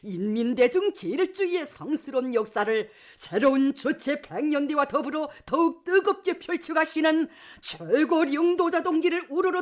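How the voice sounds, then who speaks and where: A woman with a North Korean accent reading scripted state propaganda news as a television announcer in a fervent, solemn, declamatory manner. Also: sits high.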